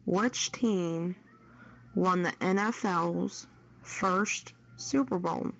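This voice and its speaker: A woman's voice: lowish voice, drawn-out words, gravelly. A woman hosting a quiz, reading out questions in an unscripted way over a muffled radio chat channel. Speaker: trivia quiz host.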